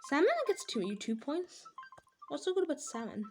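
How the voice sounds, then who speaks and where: A woman talking casually over her gameplay as a gaming channel host, chatty and rambling, quick to laugh and exclaim. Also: high voice, animated, soft background music.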